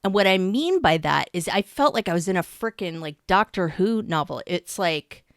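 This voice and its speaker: A woman in her fifties co-hosting a podcast, talking casually in an animated, slangy way with frequent laughter. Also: fairly low pitch, normal speed, dry recording, studio quality. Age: 50s. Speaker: podcast co-host. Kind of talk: casual chat.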